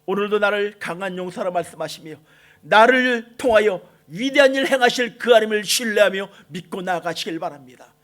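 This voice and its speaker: High-voiced pastor preaching with fervor. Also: male voice. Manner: swings between soft and shouted lines, quoting God with slow emphasis. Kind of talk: impassioned sermon.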